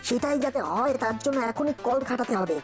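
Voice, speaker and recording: A woman plays a clever little cartoon boy with a high voice. He is confident and mischievous and talks fast, with music behind him. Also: animated, lightly acted. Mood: plotting, confident. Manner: confident, plotting. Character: clever, mischievous ten-year-old boy sleuth. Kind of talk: cartoon voice acting.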